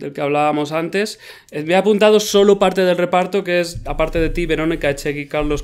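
A man speaks at a fairly quick pace in an ordinary speaking voice, his intonation fairly even. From Spain. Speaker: podcast host. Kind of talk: casual interview. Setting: studio. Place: studio. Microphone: studio mic.

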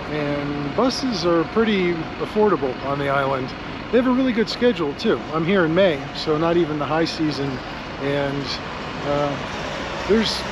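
A man talks at a moderate pace, the sound dry with no echo, while noticeable background noise runs behind him. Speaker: travel vlogger. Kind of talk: casual vlog chat. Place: street. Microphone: phone near.

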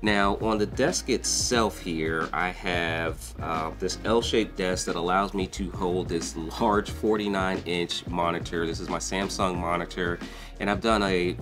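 Clear music plays in the background. Over it, a man talks at a fairly slow pace with a very deep, low pitch. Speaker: content creator. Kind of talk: studio tour commentary. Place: studio. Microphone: camera far.

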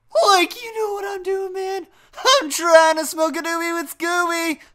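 The speaker uses a put-on character voice. Its moderate pace carries an extremely high pitch. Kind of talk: casual slang. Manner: relaxed, laid-back.

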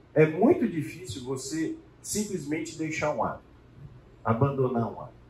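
Somewhat breathy, a man talks at a moderate pace. There is audible room echo and light background noise. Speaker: church class teacher. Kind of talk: lecture. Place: classroom.

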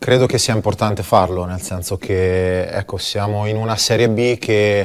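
In an ordinary speaking voice, a man with fairly low pitch talks at a fairly slow pace with fairly even intonation. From Italy. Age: 30s. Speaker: basketball team manager, former player; guest. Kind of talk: TV sports talk show interview. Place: studio.

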